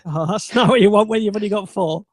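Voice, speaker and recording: A man's voice: high-pitched, quick pace, no echo, studio quality. A man hosting a casual tech podcast, talking in a meandering way with many ums and restarts. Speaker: podcast host.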